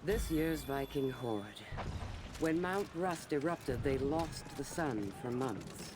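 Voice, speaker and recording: An actor voicing a grave, seasoned knight who recounts his homeland's wars in measured, reflective game narration. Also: medium pitch, animated, noisy background. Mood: solemn, reflective. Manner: measured, solemn, reflective storytelling. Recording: battle ambience and clatter behind voice.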